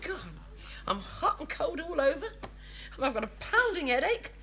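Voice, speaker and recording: A tart, sarcastic suburban wife. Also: female voice, sits high, very animated, moderate pace, background noise. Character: sharp-tongued, frustrated suburban wife, middle-aged woman. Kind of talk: 1970s British sitcom acting.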